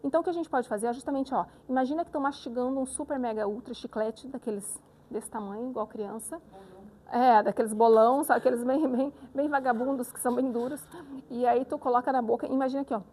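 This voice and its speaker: A woman speech therapist giving a live lecture with voice exercises, animated and demonstrative, often checking in with the audience. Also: fairly high pitch, quick pace, slight background noise.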